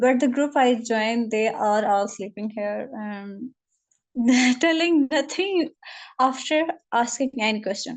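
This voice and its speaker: Against a quiet background, a woman talks fairly slowly in a high voice with ordinary pitch variation. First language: not English. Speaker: program participant. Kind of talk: question in online session. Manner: halting.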